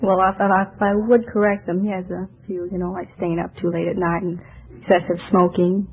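A woman's voice: lowish voice, little pitch movement, a little fast, husky. A woman quiz contestant giving unscripted answers in a hesitant, giggly way. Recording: tinny old radio broadcast, faint audience.

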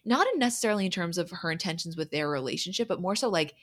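A woman's voice: fairly low pitch, animated, quick pace, fairly bright tone. A woman hosting a podcast, recapping in a casual, conversational way as she retells who said what. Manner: conversational, retells quoted dialogue scene by scene. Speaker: podcast host.

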